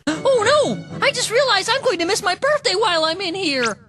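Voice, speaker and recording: A woman voicing an earnest, good-hearted teenage boy hero from a dubbed anime, excitable and naive. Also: very high-pitched, normal speed, music in the background. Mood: dismayed.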